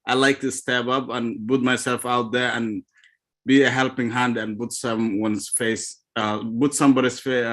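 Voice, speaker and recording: A man from Ethiopia speaking on a video call, giving an earnest, halting personal testimony with frequent restarts. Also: mid-range voice, fairly bright tone. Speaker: call participant.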